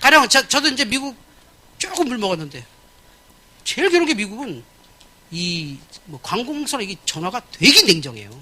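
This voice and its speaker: A man in his fifties, a pastor giving a church lecture in a blunt, animated way, often acting out other people's voices. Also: high voice, normal speed. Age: 50s.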